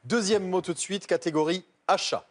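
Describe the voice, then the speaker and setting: A man with a high voice hosts a TV quiz, going over rules and scores with the players at a moderate pace. Studio audience sounds and music play behind him in the game show studio.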